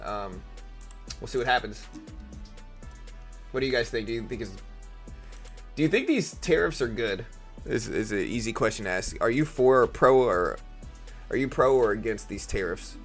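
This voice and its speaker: A man with a raspy voice hosting a live trading stream, chatting casually with viewers and reading news aloud in a rambling, think-aloud way. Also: mid-range voice, animated, moderate pace, long pauses, soft background music. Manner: rambling, thinks aloud and asks chat questions.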